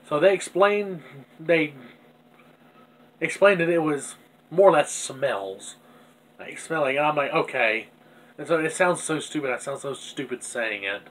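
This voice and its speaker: A man's voice: fairly high pitch, a bit bright, a little hiss or hum, rough recording. Stuffy-nosed man in a rambling video diary. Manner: candid, rambling, self-critical. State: stuffy nose from a cold. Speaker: vlogger.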